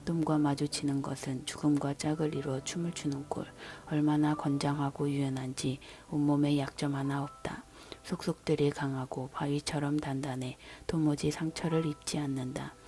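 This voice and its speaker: A woman whispering God's challenging questions. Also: sits low. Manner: unvoiced whisper. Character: almighty God questioning a man. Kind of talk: whispered scripture reading. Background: soft background music.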